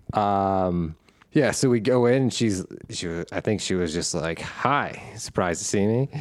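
At a moderate pace, a man with an unremarkable speaking voice talks at a fairly low pitch with ordinary pitch variation. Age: 30s. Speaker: podcast co-host. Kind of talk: casual chat.

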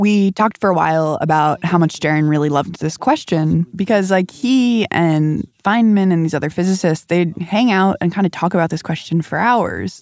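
Using an ordinary speaking voice, a woman talks at a moderate pace with hardly any pauses, her fairly low pitch showing ordinary variation. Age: 20s. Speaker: radio producer. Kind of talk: casual chat.

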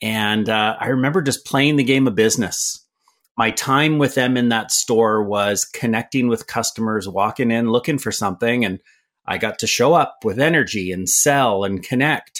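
With a Canadian accent, a man speaks in an unremarkable speaking voice at medium pitch and a moderate pace, with ordinary pitch variation, on a very clean recording with a silent background. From Canada. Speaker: entrepreneur and author. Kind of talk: interview.

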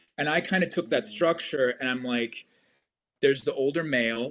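A man speaks at a moderate pace in a medium pitch. He has a plain, everyday voice, and his pitch varies in an ordinary way. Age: 30s. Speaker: film director and actor. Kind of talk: casual interview.

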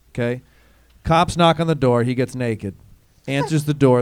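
With an ordinary speaking voice, a man talks at a moderate pace and medium pitch, his pitch varying in an ordinary way. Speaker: comedian. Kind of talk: casual chat. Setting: stage with audience.

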